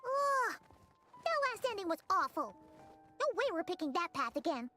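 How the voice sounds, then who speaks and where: A woman voicing a small, childlike, excitable and bossy female companion in a video game, with a squeaky voice. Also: normal speed, heavily acted. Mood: exasperated. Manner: exclaiming, refers to herself by name. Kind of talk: video game character acting. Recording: game music behind.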